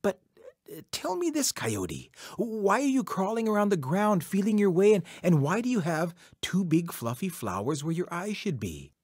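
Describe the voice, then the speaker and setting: A male storyteller puts on a grumpy old woman from a folktale. The voice is husky, with pitch that jumps around. She stammers, hesitant and easily indignant. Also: very animated, moderate pace, a little mellow, dry recording, clean studio sound, full character voice. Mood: refusing, suspicious. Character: grumpy, gullible old woman digging roots.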